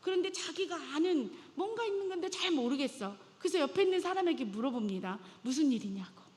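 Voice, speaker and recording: A woman delivers a sermon with a high voice, retelling a Bible story with dramatic flair. Her speech rings with the long reverb of a church sanctuary. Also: animated, quick pace, darkish tone. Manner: dramatic, acts out biblical voices. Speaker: preacher.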